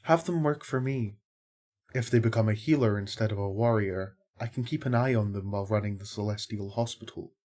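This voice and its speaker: A man playing a calm, kindly healer angel in an audio drama, with a reasonable, diplomatic way of talking. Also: on the low side, a little fast, close to an everyday voice. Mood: calm, persuasive.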